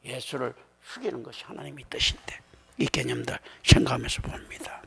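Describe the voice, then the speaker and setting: A man preaching a colloquial, dramatic sermon, dropping often into hushed whispers. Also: medium pitch, sing-song, brisk, vocal fry. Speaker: pastor.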